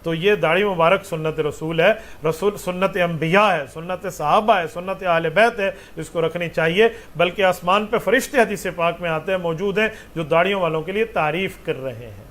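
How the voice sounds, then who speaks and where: A man's voice: sits high, moderate pace, few pauses, a bit bright. A man, a mufti answering religious questions with patient explanations and rhetorical questions.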